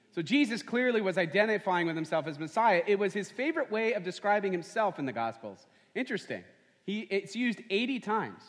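A man preaching a sermon as pastor, conversational and full of rhetorical questions. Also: sits high. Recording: long hall reverb.

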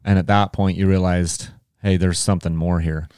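A man's voice: sits low, little pitch movement, moderate pace, darkish tone, clear, resonant tone, dry recording, clean studio sound. A man hosting a casual interview, who rambles and restarts his questions often. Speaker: podcast host.

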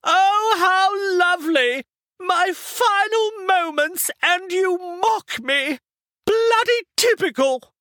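Camp, plummy, high-pitched thespian. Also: male voice, expressive, bright, forceful tone, dry recording, clean studio sound, full character voice. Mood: indignant. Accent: plummy upper-class English. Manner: grandiose, drawn-out, over-dramatic Shakespearean delivery. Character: portly, theatrical, camp melodramatic man.

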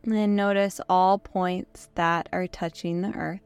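A woman with a hoarse, worn-down voice, hosting a podcast and gently guiding a yoga nidra meditation with soft, slow instructions and long pauses. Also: fairly low pitch, fairly even intonation, soft background music. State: hoarse, losing her voice. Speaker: podcast host and meditation guide.

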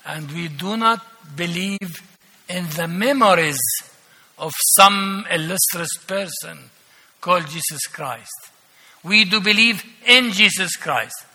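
An older Palestinian man preaching a guest sermon in a large church, emphatic and slow with ironic humor. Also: sits high, sharp tone. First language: Arabic. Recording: echoey church hall.

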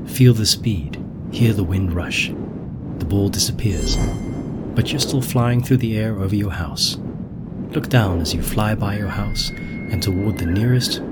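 A man narrating a scripted guided visualization, speaking directly to the listener in an instructive way. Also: low-pitched. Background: music.

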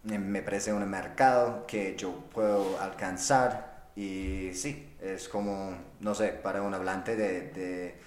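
A man whose native language is English, with a foreign accent, speaking off the cuff as a podcast host and haltingly searching for words. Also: low voice, steady tone, a little hiss or hum. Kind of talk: unscripted solo podcast talk. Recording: roomy, echoing sound.

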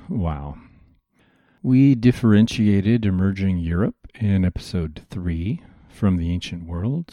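A male history podcast host with a low, very mellow voice, recorded dry and close. He narrates from a script but wanders into chatty, lecturing asides. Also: no echo.

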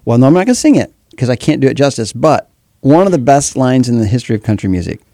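A man with a bassy voice casually hosting a talk show in a candid, self-deprecating way. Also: sing-song, fast, dark tone, no echo, clean studio sound. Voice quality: bass-heavy voice. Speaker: podcast host.

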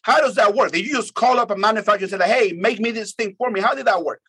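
A man hosting a podcast with a husky voice, asking quick, encouraging questions of his guests. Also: high voice, bright, forceful tone, dry recording, studio quality. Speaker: podcast host. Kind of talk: interview questions.

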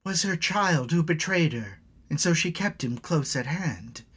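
A man voicing a desperate, grieving young tribal woman who pleads and cries out in a high, strained voice. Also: expressive, unhurried, a bit bright, slightly rough, heavily acted. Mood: pleading. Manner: pleading, rising to shrill cries.

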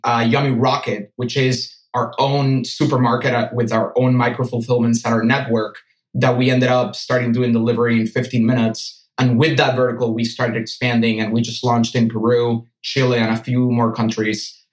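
A man's voice: mid-range voice, low-quality recording. A man in his thirties, from Venezuela, a startup founder answering podcast interview questions in an earnest, conversational way with fillers and restarts.

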